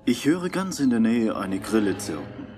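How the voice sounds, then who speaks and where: A man voicing a calm, wise Native American man, speaking quietly and measured in a storybook tale. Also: fairly low pitch, faint music behind.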